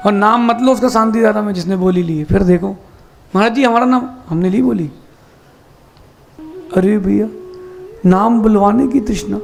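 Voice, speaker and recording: A man, a Jain monk, giving a sermon with slow emphatic explanations and rhetorical questions. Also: high voice, gravelly.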